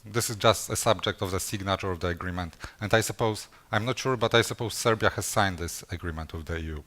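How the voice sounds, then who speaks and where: A man's voice: low-pitched, fast talker, a bit bright. A man speaking at a conference, answering audience questions in a hesitant way with many fillers and restarts. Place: conference session room.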